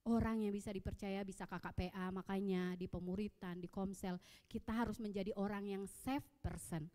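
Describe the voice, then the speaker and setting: A woman in her thirties with an Indonesian accent, preaching at a youth service and telling personal stories in a lively way. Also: mid-range voice, moderate pace. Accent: Indonesian, Samarinda. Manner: lively storytelling, acting out dialogue. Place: church hall. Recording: long echo of a church hall.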